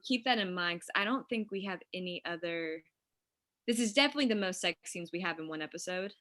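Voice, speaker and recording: A woman's voice: lowish voice, animated, fairly quick, fairly bright tone. A woman speaking informally as a writer in a casual group discussion about a script. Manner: informal, chatty. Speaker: writer at a script table read.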